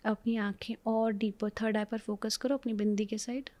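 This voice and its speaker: A woman with an Indian accent leads a guided relaxation in a soothing, repetitive, reassuring way, with a breathy voice that often drops to a whisper. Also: mid-range voice, level tone, moderate pace, darkish tone, dry recording. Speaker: spiritual healer leading a guided relaxation. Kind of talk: guided meditation, hypnotic instruction.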